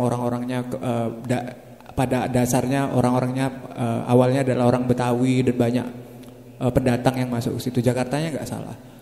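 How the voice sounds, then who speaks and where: There is noticeable background noise. A man speaks at a fairly quick pace and a medium pitch. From Kalimantan, Indonesia. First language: Kalimantan regional language (speaking Indonesian). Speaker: musician. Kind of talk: casual discussion talk. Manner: halting, with repetitions.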